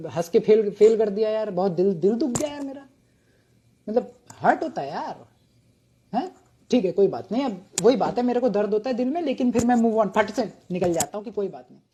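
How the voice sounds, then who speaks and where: Telling his own story casually, a retired army officer from Bengal in his thirties jokes at his own expense in a chatty way. His high-pitched voice has a dark tone and a breathy edge.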